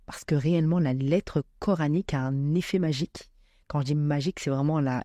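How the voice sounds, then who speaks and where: Woman, podcast guest, warm mellow tone, dry close sound, thoughtful with many fillers. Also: low-pitched, dry recording. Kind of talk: reflective spiritual talk.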